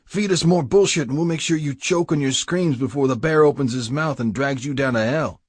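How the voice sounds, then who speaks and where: A man putting on a cold, commanding older biker president, pitched up high and loud, husky grit, threatening every word. his lines sit dry and close to the mic, like an audiobook reading. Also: fairly quick, no room sound, natural voice. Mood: menacing. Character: older male biker club president, cold menacing boss.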